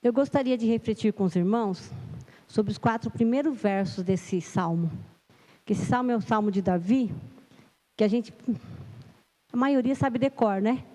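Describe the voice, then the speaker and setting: A woman's voice: fairly high pitch, moderate pace, long pauses, mellow. A middle-aged Brazilian woman giving a sermon in church, nervous at the start, then earnest and emphatic. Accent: Brazilian Portuguese. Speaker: lay preacher. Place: church hall. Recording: long church-hall reverb.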